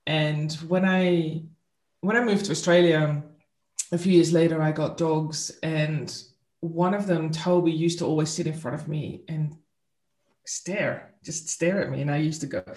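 A woman tells her story earnestly and without hurry, pausing between phrases. Her voice carries a roomy echo, as if she were recorded in a bare room. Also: low-pitched, steady tone, darkish tone. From Netherlands. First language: Dutch. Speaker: guest, spiritual coach. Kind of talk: storytelling in an interview.

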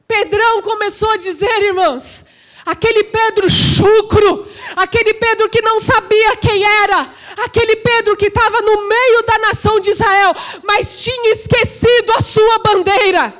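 A woman preaching a sermon with fervor. She often shouts and asks the congregation rhetorical questions. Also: very high voice, steady tone, unhurried.

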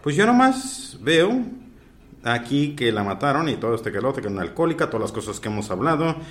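A man's voice: medium pitch, sing-song, brisk. A man with a Mexican accent hosting a podcast in casual chat, full of crude slang and swearing fillers. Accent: Mexican Spanish. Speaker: podcast host.

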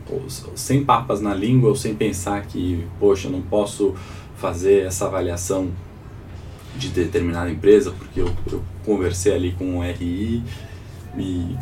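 A Brazilian man gives informal live market commentary in a low, dark voice. He sounds stuffed up and sore-throated, like someone with swollen tonsils and a cold. He is picked up from a little way off the mic. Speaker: host of a live financial morning call. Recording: distant mic with faint background noise.

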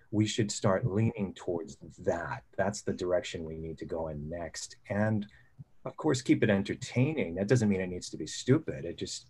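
A man's voice: deep voice, darkish tone, husky. A middle-aged man, a filmmaker guest, earnestly recounting a personal experience in casual conversation, often restarting his sentences. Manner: earnest, reflective, frequent restarts. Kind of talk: casual storytelling.

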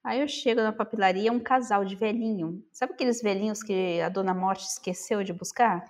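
A woman from Brazil telling a lively anecdote in casual chat, acting out the dialogue. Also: mid-range voice, moderate pace. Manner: animated, acts out the dialogue. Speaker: storyteller.

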